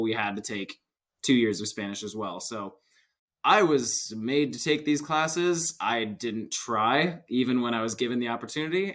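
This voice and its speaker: A man's voice: medium pitch, fairly bright tone. Young american guy telling stories on a podcast, laughs at himself a lot, middle voice. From United States. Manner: laughs often, self-deprecating storytelling. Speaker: podcast guest. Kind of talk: casual chat.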